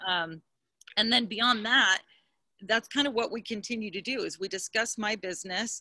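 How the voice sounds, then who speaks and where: With an American accent, a woman speaks in a bright, sharp tone at a moderate pace. Her pitch varies in an ordinary way, and the sound is dry with no echo. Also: quiet background. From US Pacific Northwest, Seattle. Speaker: real estate agent; guest. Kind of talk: video interview. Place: garden. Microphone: video call.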